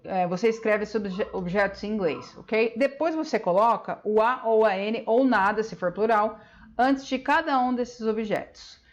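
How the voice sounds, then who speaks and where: Woman, Brazilian accent, patient English tutor, clear classroom explaining. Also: mid-range voice, highs cut off. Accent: Brazilian Portuguese. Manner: patient, explains slowly with lots of "ok?" checks. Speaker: English teacher. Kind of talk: private English lesson.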